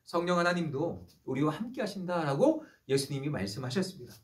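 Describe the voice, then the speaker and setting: Guy pastor preaching, pretty high voice, swings up and down a lot, leans hard on key words. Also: animated, fairly quick. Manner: preacherly, rising emphasis on key phrases. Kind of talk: sermon.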